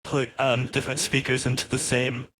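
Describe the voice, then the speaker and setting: A man giving a casual, rambling software walkthrough, his voice processed by a real-time AI voice changer. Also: medium pitch, completely flat delivery, moderate pace, slight background noise. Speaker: host demonstrating voice changer software.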